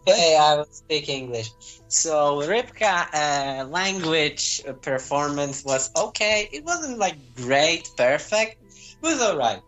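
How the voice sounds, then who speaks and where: A man's voice: fairly high pitch, big pitch swings, takes it slowly, fairly bright tone, soft background music, low-quality recording. A man with a Polish accent, a native Polish speaker, giving a hesitant assessment full of fillers. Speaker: friend giving feedback. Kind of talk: casual spoken assessment.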